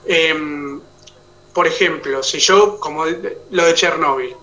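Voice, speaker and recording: High bright-voiced Argentine man lecturing. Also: slow pace, distant mic, a little hiss or hum, low-quality recording. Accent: Argentine Spanish. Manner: explains step by step, checks students follow. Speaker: oratory teacher. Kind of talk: online class lecture.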